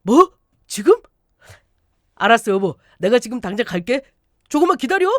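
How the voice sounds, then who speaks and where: A whiny, scheming middle-aged husband, as a woman reader puts him on, his voice pushed up high and wobbling between sulky demands and wheedling pleas. He sounds strained, as if the words come from a little off the mic, and his crying always sounds put on. It is a storybook reading in a dry, close sound. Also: very animated, moderate pace, no echo. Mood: eager. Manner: wheedling, fake sobbing pleas. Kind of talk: storybook narration.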